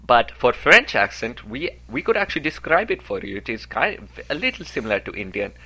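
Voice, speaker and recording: A man's voice: mid-range voice, very animated, fairly quick, creaky, sharp tone, husky. A man co-hosting a comedic podcast, speaking with formal, earnest phrasing. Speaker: podcast co-host.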